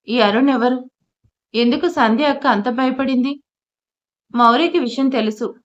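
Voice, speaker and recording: A woman reading an emotional family audio story aloud, voicing the characters' lines in her own narrating voice. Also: on the high side. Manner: reads dialogue of all characters in her narrating voice. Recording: dull lo-fi audio.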